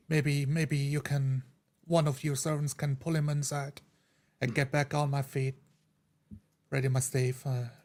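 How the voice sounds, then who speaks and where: A man's voice: medium pitch, darkish tone. A man playing a tabletop roleplaying game, describing what his character does.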